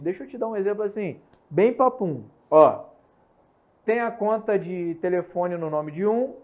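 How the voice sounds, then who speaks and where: A young man with a Brazilian Portuguese accent teaching an online law lesson, repeating key points and checking in with quick questions. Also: high voice. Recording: slightly muffled lo-fi recording.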